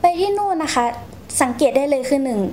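High-voiced young woman, politely explaining. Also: animated, fast talker, darkish tone, slight background noise. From Thailand. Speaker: guest storyteller. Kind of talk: interview answers, recounting experiences.

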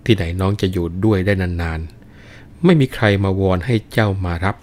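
A grieving young wife from an old folk tale, speaking in a lamenting, pleading way, as a man voices her. The voice is very low and deep. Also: moderate pace, darkish tone, slight background noise, natural voice. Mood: scolding.

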